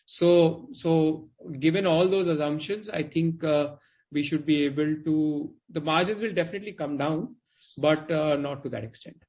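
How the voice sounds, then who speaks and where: Dull-sounding man, halting business explanations. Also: a little high, steady tone, darkish tone. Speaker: company executive answering investors' questions. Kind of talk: earnings call answers. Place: conference call. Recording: dull, band-limited conference call audio.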